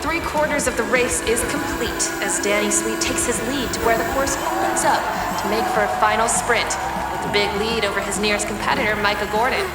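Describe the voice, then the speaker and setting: A high-voiced woman race announcer, played by an actress, excitable and wry, calls the action play-by-play. The sound is echoey, with loud music behind her. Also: brisk, lightly acted. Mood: excited. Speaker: race commentator. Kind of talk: excited sports play-by-play commentary in scripted audio drama.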